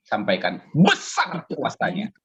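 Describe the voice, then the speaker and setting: A man's voice: medium pitch, huge pitch swings, takes it slowly, a bit bright, breathy edge, poor audio. A man in his fifties, a pastor, giving a chatty, conversational sermon over a video call and drawing amens from his listeners. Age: 50s. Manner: conversational, chatty preaching with audience call-and-response.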